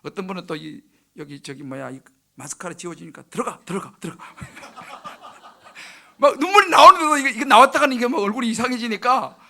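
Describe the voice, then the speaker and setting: Man, pastor, sermon, very high pitch, lively swings, loud to near-whisper. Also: fast, creaky, a little hiss or hum. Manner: animated storytelling, acts out quoted prayers and crying. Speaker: senior pastor. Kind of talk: sermon at a midweek service. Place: church sanctuary.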